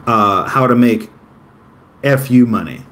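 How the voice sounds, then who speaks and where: Slow-talking young man, rambling. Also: medium pitch, expressive, a bit bright. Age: 20s. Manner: rambling, self-correcting, upbeat about himself. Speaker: vlogger. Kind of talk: casual talk to camera.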